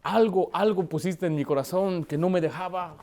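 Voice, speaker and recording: A man's voice: high-pitched, moderate pace, darkish tone. A man who is a pastor preaching a sermon, telling family stories and addressing the congregation directly. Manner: storytelling with acted quotes and direct address.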